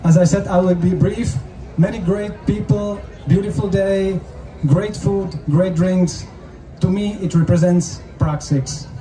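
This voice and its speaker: A man with a Czech accent speaks in a soft, very dark tone at a slightly high pitch. He interprets formally for an event, heard from a distance over a roomy PA. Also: fairly even intonation. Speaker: interpreter and stage host. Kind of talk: live consecutive interpreting at a public event. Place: open-air covered festival stage. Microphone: handheld mic through PA, recorded from audience. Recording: roomy, distant stage PA sound with noise.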